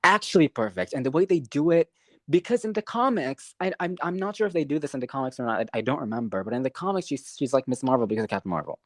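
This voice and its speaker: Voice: mid-range voice, expressive, fast talker, dry recording. A young adult podcast co-host talking in casual chat, gushing and emotional, swearing freely.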